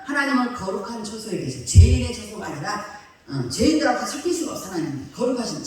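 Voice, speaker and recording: Lady pastor preaching, emphatic and chatty, lots of "right?" questions, super echoey hall, mic kinda far off. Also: on the high side. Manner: emphatic, colloquial preaching with frequent rhetorical questions. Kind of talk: sermon. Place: church sanctuary. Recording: very echoey church hall, heard from afar with faint noise.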